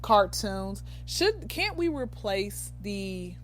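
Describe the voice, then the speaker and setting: A woman's voice: mid-range voice, big pitch swings, very slow, soft background music. A woman in her thirties, a comedian guest on a podcast, talking loosely and rambling as she thinks aloud. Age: 30s. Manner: rambling, loses her train of thought. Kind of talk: casual podcast interview.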